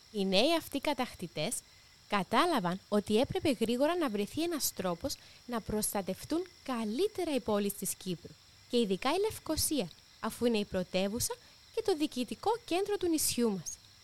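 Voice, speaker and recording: A woman speaks at a high pitch with a gentle tone. Her pitch swings very widely. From Cyprus, Nicosia. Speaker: museum educator. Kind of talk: storytelling for children. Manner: slow, gentle guiding tone.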